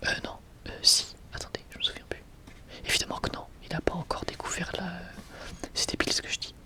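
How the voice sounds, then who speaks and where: ASMR presenter, soft unvoiced whisper, informal rambling fan commentary. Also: fast talker. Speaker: ASMR video creator presenting a manga collection. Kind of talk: whispered ASMR, casual chat.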